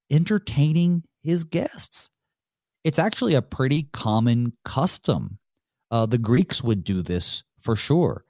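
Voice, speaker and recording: A man's voice: medium pitch, warm tone, dry recording, studio quality. A male pastor hosting a solo Bible study, talking it through in a conversational way, thinking aloud with light chuckles. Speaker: pastor and host.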